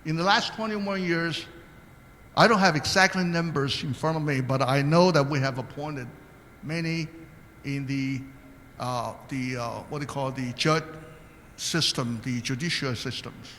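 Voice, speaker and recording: A man's voice: on the high side, measured pace, fairly bright tone, slight background noise. An older man from Taiwan, speaking earnestly as a guest on a panel, telling anecdotes with hesitant restarts. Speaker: guest speaker, state commissioner. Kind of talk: panel talk answering questions. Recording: reverberant hall.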